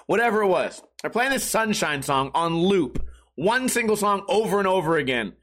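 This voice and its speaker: Hoarse high-voiced man rambling on a stream. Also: animated, moderate pace, a bit bright. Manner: loose, rambling and profane. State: hoarse, losing his voice. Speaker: podcast and stream host. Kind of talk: casual livestream chat.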